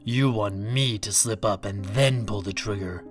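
A man's voice: fairly low pitch, a little slow, soft background music, lightly acted. A man playing a proud, coldly angry man in an audio drama, speaking with cutting, sardonic control. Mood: angry defiance. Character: proud, defiant, coldly angry man facing his enemy.

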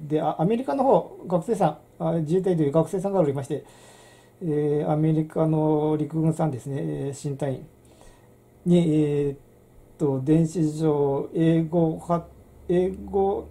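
A woman's voice: low voice, dark tone. A middle-aged woman, hosting a casual handwriting lesson and rambling with many fillers and restarts. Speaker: channel host.

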